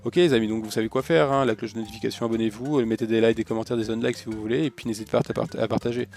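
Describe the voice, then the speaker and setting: A man's voice: on the low side, fairly even intonation, very fast, creaky, darkish tone, soft background music. Chatty French man teaching code. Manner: chatty, rambling, talks to himself while typing. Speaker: coding tutorial host. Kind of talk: casual screen-recorded coding tutorial.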